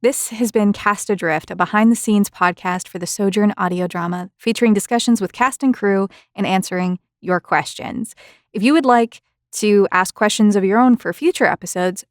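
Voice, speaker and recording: A woman with a mid-pitched voice, recorded close and dry with little room sound. She speaks as a podcast host and interviewer, courteous and conversational. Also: dry recording.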